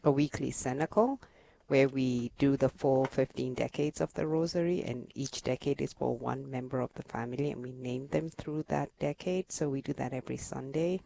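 A woman's voice: extremely low pitch, normal speed, vocal fry, dark tone, low-quality recording. A middle-aged woman from Kenya, a radio guest telling her story in an earnest, fluent way. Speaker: guest parishioner. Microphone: headset.

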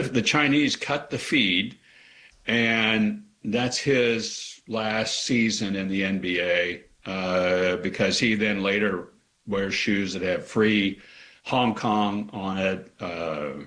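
A man from Kansas, an author answering interview questions in an earnest way that turns emphatic. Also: slow. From Kansas, USA. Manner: earnest, grows emphatic with sharp pitch rises. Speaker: author guest.

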